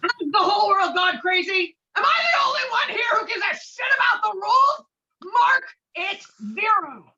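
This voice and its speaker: Woman acting as a belligerent middle-aged man, rule-obsessed, emphatic swearing, sharp forceful delivery, slightly dull recording, table read. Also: extremely high pitch, lively intonation, moderate pace, exaggerated voice. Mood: furious, shouting. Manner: swearing, emphatic, self-righteous. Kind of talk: acted table read of a film script.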